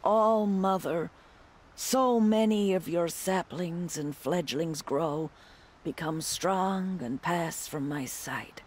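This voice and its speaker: An actress voicing an old village grandmother in a game, speaking a slow, solemn prayer. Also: fairly low pitch, a little mellow. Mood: prayerful. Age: older. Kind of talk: game cutscene dialogue.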